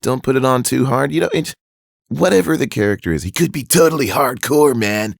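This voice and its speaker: A man's voice: medium pitch, animated, a little fast, gravelly, no echo, clean studio sound. A man coaching voice acting in a casual, earnest tutorial. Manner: casual, conversational, earnest advice.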